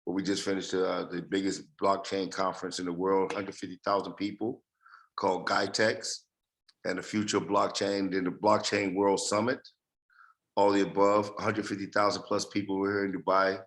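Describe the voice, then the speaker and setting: Man with a gravelly, slightly worn voice, flat delivery, repeats phrases as he gives a team update. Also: deep voice, moderate pace. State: losing his voice. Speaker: project leader giving updates. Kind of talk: casual group call update.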